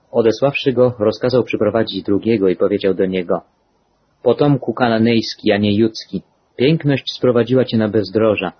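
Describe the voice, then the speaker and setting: A man reads scripture aloud in a solemn, measured manner. His voice sits fairly low and has a husky grain. The recording sounds muffled and lo-fi. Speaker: scripture reader. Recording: dull lo-fi recording.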